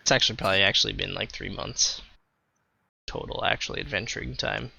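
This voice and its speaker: A man's voice: lowish voice, steady tone, fairly quick, gravelly, bright, forceful tone, breathy edge, no room sound, dull audio. A man running a tabletop game as game master, joking and laughing loosely between scenes.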